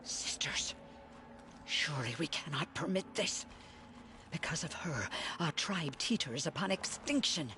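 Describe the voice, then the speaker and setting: A woman's voice: low-pitched, lively intonation, unhurried, over music. A woman playing a stern, fearful older tribal matriarch who makes solemn, accusing pleas. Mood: alarmed.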